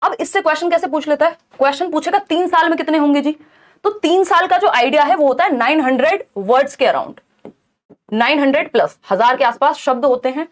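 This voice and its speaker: Young woman teacher, high voice, explanatory lecture style with frequent check-ins. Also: fairly quick. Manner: explanatory, checks in with students often. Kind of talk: exam-prep lecture.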